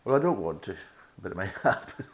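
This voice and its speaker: A man's voice: sits low, big pitch swings, fairly quick. A middle-aged Scottish man hosting a beer review podcast, chatty and swearing freely as he talks. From Scotland. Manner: chatty, swears freely, laughs at own jokes. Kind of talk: casual chat.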